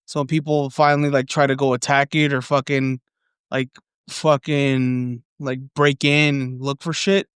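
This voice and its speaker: A man co-hosting a podcast in casual chat, profane and excitable as he spins theories. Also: mid-range voice, a little slow, smooth, no echo, studio quality. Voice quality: occasional stutter and slight lisp when frustrated. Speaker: podcast co-host.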